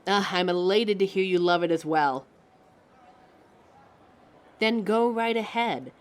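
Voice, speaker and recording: A woman's voice: mid-range voice, takes it slowly, lightly acted. A woman voicing a living fashion mannequin in a scripted audio roleplay, haughty yet encouraging, with a dramatic, articulate delivery aimed straight at the listener. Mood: flattered, fond. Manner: theatrical, dramatic, articulate, addresses listener as darling.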